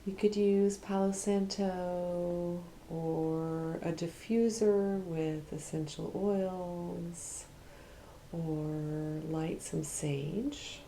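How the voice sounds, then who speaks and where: Female meditation guide, low and very creaky, soft and soothing, drifting toward a whisper, faint hiss behind. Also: steady tone. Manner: hushed, soothing, slow with long pauses, at times whispering. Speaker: Reiki practitioner and meditation guide.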